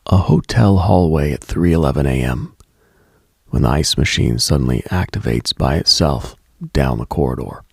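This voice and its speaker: A man hosting late-night radio, delivering a slow, atmospheric monologue in a hushed, deliberate, husky voice that slips toward a whisper. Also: extremely low pitch, no room sound, studio quality. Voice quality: gravelly, husky, breaking into whisper. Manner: hushed, deliberate, storytelling with pauses.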